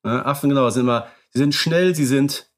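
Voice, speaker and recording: A man co-hosting a podcast, relaxed and easygoing. He likes a pun now and then. His pitch sits in the middle. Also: fairly quick. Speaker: podcast co-host. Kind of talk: casual chat about radio plays.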